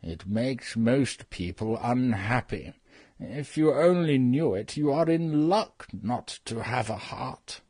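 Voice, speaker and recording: A man's voice: mid-range voice, lively intonation, slow, darkish tone, breathy edge, dry recording, clean studio sound. A man voicing a sheepish old male humbug wizard in a dramatized audiobook reading, apologetic and coaxing in manner.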